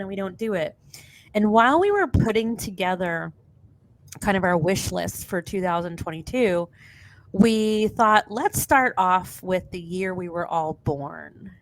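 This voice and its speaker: A woman's voice: mid-range voice, low-quality recording. A woman hosting a podcast in casual chat, blunt and sweary, sounding sniffly with a cold. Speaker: podcast host.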